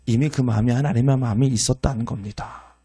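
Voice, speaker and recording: A male pastor preaching a sermon, emphatic, asking rhetorical questions and swinging between loud and soft. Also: mid-range voice, steady tone, quick pace, breathy edge.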